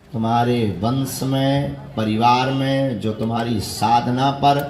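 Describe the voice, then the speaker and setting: A man's voice: medium pitch, steady tone, a little mellow, roomy sound. A man giving a devotional sermon, instructing listeners on mantra practice and posing a chain of rhetorical questions. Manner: slow, measured, repeating rhetorical questions. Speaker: spiritual teacher.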